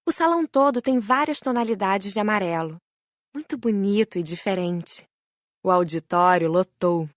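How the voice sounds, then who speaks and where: A woman with a Brazilian Portuguese accent reading a spiritual book aloud as a first-person narrator, gentle and admiring. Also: medium pitch, lively intonation, normal speed, no room sound, clean studio sound. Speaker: audiobook narrator.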